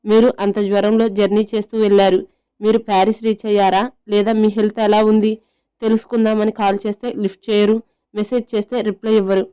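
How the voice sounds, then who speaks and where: A lovesick young woman from an audio love story, as a female narrator voices her, soft and pleading and quick to feel hurt. Her tone is dark and mellow, with a clear, smooth sound. Her pitch stays narrow and flat. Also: lightly acted. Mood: hesitant.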